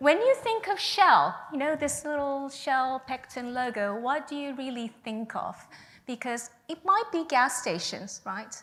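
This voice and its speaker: Over noticeable background noise, a woman talks at a fairly slow pace in a high voice. Her pitch swings very widely, and her loudness rises and falls sharply. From international upbringing (Japan, South Africa, Singapore, US). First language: Japanese (Hiroshima dialect). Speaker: energy company executive. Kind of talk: conference presentation.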